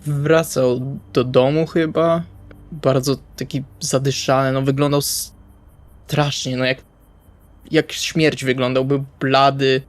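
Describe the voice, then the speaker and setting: A man's voice: mid-range voice, level tone, slow pace, close to an everyday voice. A man playing a blunt, exasperated male vampire in an improvised tabletop roleplay, speaking colloquially and hesitantly, with music behind him. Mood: hesitant, concerned. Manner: colloquial, swearing, hesitant phrasing.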